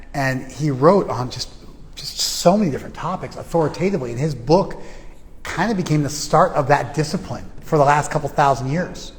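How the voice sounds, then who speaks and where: A man teaching a class in a loose, conversational way, with joking asides and plenty of fillers. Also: a little high. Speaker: spiritual teacher. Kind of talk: informal class lecture. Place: class venue with reverb. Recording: long hall reverb.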